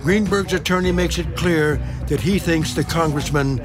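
A man's voice: a little high, normal speed. An American man narrating a true-crime documentary in a dramatic tabloid TV style, with a scripted delivery. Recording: music playing behind narration. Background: dramatic background music.

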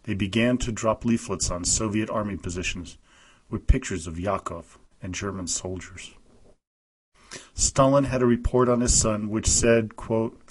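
Husky man narrating history. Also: fairly low pitch, low-quality recording. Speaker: podcast narrator.

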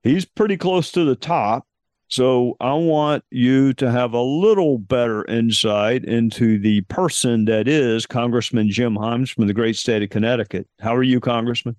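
A man hosting an interview podcast, speaking in a measured, thoughtful way with frequent fillers. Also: medium pitch, darkish tone, no echo. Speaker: podcast host. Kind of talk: conversational interview.

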